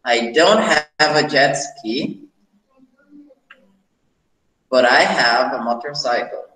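A man's voice: medium pitch, extremely slow, sharp tone. A young man with a Brazilian Portuguese accent teaching an English class over a video call, patient, repeating sentences for students. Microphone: laptop video call. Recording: echoey room.

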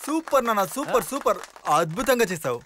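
A man playing an excitable, bossy film director in a comedy film, exclaiming loudly and repeating his words, over loud background music. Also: very high-pitched, a little fast, noisy background. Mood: gushing. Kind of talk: comic film dialogue.

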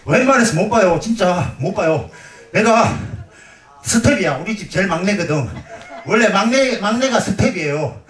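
A man's voice: high voice, lively intonation, normal speed, fairly bright tone. A man performing as a pumba street entertainer, out of breath, joking and teasing the crowd on an outdoor festival stage. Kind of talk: live comic stage banter. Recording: roomy, distant, crowd noise.

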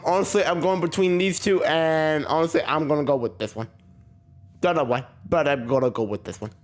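A young man with a sore throat and slight cough, giving rambling, self-deprecating casual commentary on a game he plays and chuckling often. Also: on the high side. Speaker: gaming channel host. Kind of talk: casual let's play commentary.

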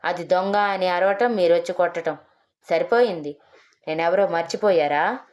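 Woman reading a furious young hero, low and clear, storybook. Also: moderate pace, close to an everyday voice. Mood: angry. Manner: shouting, scolding. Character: angry young man back from America.

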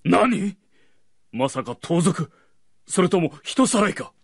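A man playing a kindly, refined nobleman in a radio drama, speaking gently and considerately. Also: high-pitched, big pitch swings, takes it slowly, creaky, breathy edge, no room sound, studio quality, full character voice. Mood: concerned. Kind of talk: Japanese radio drama acting.

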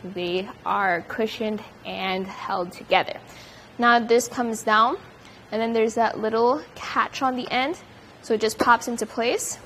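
A woman's voice: mid-range voice, a bit bright, slight background noise, rough recording. A young woman in her twenties giving an upbeat, hands-on product demonstration as a reviewer in a large white studio.

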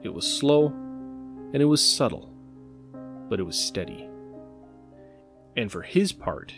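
A man's voice: fairly low pitch, very animated, slow pace, creaky, a bit bright, soft background music. A man narrating an audio drama in a dramatic, scripted storytelling style.

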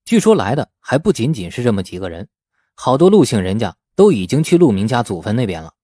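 Male audiobook narrator, expressive and animated, mellow tone, dry close recording. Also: mid-range voice, quick pace, dry recording. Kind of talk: scripted novel narration.

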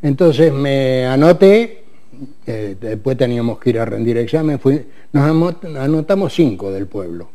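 A man's voice: mid-range voice, animated, moderate pace, dark tone. Hesitant Argentine man in his eighties. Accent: Argentine Spanish. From Córdoba, Argentina. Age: 80s. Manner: hesitant, many fillers and restarts. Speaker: interview guest, retired military man. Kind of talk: casual interview. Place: TV studio. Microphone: lapel.

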